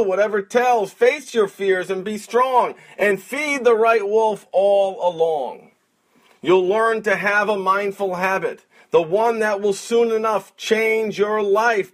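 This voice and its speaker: A man reciting spoken word like a slam poet, in a dramatic, deliberate delivery. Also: high-pitched. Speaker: coach reciting a poem.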